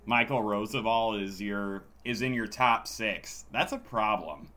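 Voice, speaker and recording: A man's voice: on the low side, a little slow, bright, forceful tone. A hungover man co-hosting a casual sports podcast, talking in a dry, sardonic way. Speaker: podcast host.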